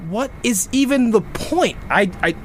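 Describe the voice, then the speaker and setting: A man's voice: extremely high pitch, animated, slow, a little hiss or hum, exaggerated voice. A man playing a geeky, exasperated rocket programmer who rambles and swears through a casual audio log in a sci-fi drama. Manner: rambling, self-interrupting, swearing.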